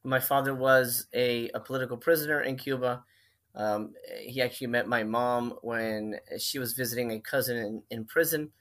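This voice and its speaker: Here the Miami filmmaker, a man in his forties, uses a mid-range, fairly bright voice at a normal speed. He rambles through anecdotes during a laid-back interview, often stopping to correct himself.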